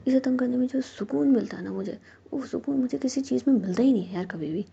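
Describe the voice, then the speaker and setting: A woman voicing Jiya, a playful young woman who teases her partner, with a mellow, slightly gravelly voice on a dull lo-fi recording. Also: sits high, fast, voice pushed up, exaggerated voice. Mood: teasing. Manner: affectionate, teasing. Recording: dull lo-fi recording with faint noise.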